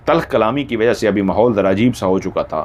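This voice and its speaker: A man's voice: lowish voice, quick pace, a little mellow. A man narrating a horror story in the first person, with dramatic storytelling.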